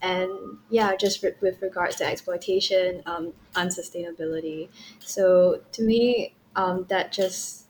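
A woman's voice: lowish voice, a little mellow, low-quality recording. A young woman speaking as a podcast guest, reflective and casual, with informal hedged phrasing. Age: young adult. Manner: informal, hedging with "kind of" and "you know". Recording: faint background noise.

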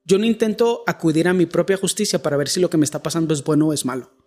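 Mexican man, high voice, easy joking co-host in a faith chat. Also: fast talker, a little mellow. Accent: Mexican Spanish. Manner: joking, self-deprecating asides. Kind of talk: casual faith discussion.

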